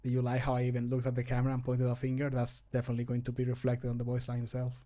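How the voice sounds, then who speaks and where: A man's voice: mid-range voice, monotone, rapid-fire, mellow. A man in his thirties chatting casually as a streamer, thinking aloud in a jokey, self-deprecating way. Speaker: streamer, game modder recording voice lines. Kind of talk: casual livestream chat. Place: small home room, indoors.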